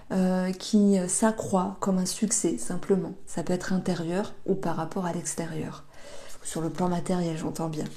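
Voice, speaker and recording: A woman giving a monthly tarot reading, talking gently with many hesitations and restarts. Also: mid-range voice. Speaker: tarot reader.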